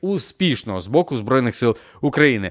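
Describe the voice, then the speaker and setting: At a moderate pace, a man's voice moves through very wide pitch swings, dry and close with no echo on a very clean recording with a silent background. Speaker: YouTube news commentator. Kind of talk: news commentary to camera.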